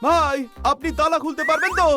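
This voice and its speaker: A very high, bright, squeaky voice of a young cartoon hero, talking in an urgent, earnest way. Faint music plays behind him. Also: male voice, flat delivery, quick pace. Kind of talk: cartoon dub voice acting.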